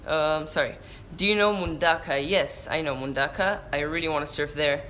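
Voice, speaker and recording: Sitting indoors near a window, a teen surfer vlogger from Israel chats on a livestream, reading out viewers' questions and frequently restarting words partway through. He has a Hebrew accent and a high-ish, sharp voice at a moderate pace, recorded on a camera-mounted shotgun mic with a little background noise.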